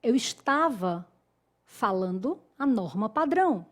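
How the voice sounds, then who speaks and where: A woman's voice: a little high, big pitch swings, slow. A woman with a Northeastern Brazilian accent teaching an online grammar lesson, talking emphatically and addressing her students directly. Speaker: Portuguese teacher.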